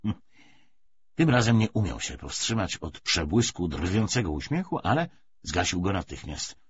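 A man narrating a novel as an audiobook in an expressive literary style. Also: low-pitched, normal speed, slightly rough, dull audio.

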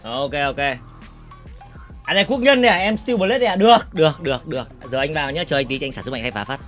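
Quiet game music sits faintly behind this casual livestream, where an expressive male gamer with a rather high voice reads out and pokes fun at viewer comments. Jokes come often, and he shoots out repeated words in rapid bursts.

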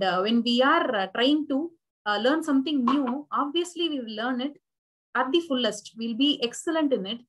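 A woman's voice: a little high, fairly bright tone, low-quality recording. A young Indian woman whose first language is Tamil, giving a recorded university English lecture over slides, explaining patiently and rephrasing herself with many fillers.

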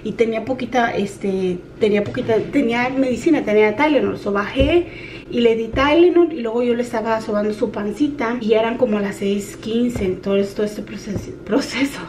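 A woman in her thirties, a mom vlogger telling a story in an animated, chatty way, talking straight to her viewers. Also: fairly high pitch, moderate pace. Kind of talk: casual storytelling vlog. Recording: echoey room with faint noise.

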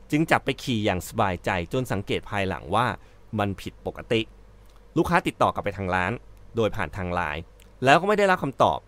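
A male host reads out an article and adds casual, chatty commentary, with frequent fillers and self-corrections. His voice is fairly low in pitch.

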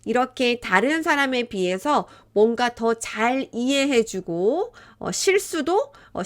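Lively Korean teacher, acting out examples. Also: female voice, on the high side. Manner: explains patiently, acts out little example dialogues. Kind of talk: vocabulary lesson.

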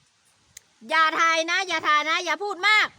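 A blustering, bullying forestry officer barks slow threats in a raised, strained voice, as a woman puts him on. The tone is bright and high, pushed up well above her usual speaking voice. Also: exaggerated voice. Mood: angry. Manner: shouting threats, slow and emphatic. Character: aggressive middle-aged male forestry officer, bullying.

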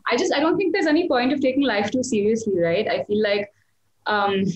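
A woman's voice: a little high, a little fast, echoey room, highs cut off. A young woman, a singer-songwriter, chatting casually on a video call from a small room at home, with lots of restarts and fillers. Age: young adult. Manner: chatty, self-deprecating, many restarts and fillers. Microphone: webcam on video call.

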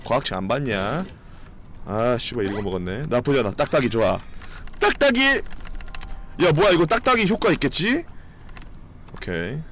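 A young man live-streaming a game, with a slightly high voice that leaps up and down as he gets worked up. He swears freely and keeps bantering with his viewers, over a faint hiss of background noise. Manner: excitable, swears a lot, chats with viewers. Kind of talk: live gameplay commentary.

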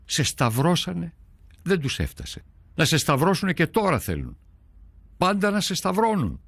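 A man's voice: on the high side, very animated, vocal fry, fairly bright tone, no room sound, exaggerated voice. An actor narrating as a devout early-Christian man who tells, in earnest first person, of a crisis of faith and hard times. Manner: earnest, prayerful, brooding. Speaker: documentary narrator.

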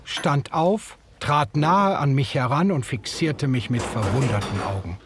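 A man giving measured, reflective first-person narration in a German radio play. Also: medium pitch, background noise.

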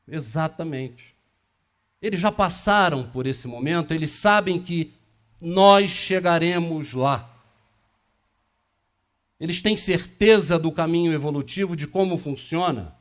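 A man's voice: on the high side, takes it slowly, long pauses, fairly bright tone. A man in his fifties giving a spiritist lecture to a small audience, talking in a conversational way and putting questions to the listeners, recorded by a camera across a small meeting room. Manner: conversational, asks the audience questions, gestures widely.

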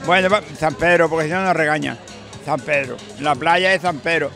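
An older man with an Andalusian Spanish accent chats in a rambling, folksy, emphatic way, his voice on the high side, creaky, bright and forceful at a normal speed. He's being interviewed outdoors at night on a beach bar terrace, speaking into a handheld mic held by the interviewer. Music and crowd noise sit faintly in the background.

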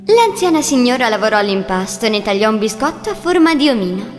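Storybook narrator, a woman, high, animated, expressive, over music. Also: fast. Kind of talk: scripted children's story narration.

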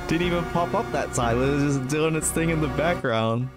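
A man's voice: fairly high pitch, normal speed, loud music behind the voice. A young man doing casual, joking let's play commentary, thinking aloud as he plays. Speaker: gaming YouTuber.

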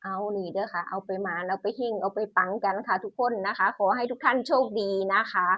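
Indoors at home, a woman with a northeastern Thai Isan accent hosts a casual lottery numbers channel, chatting and exclaiming while reading incense numbers and laughing often. Her voice is mid-range, and the recording is dry and lo-fi.

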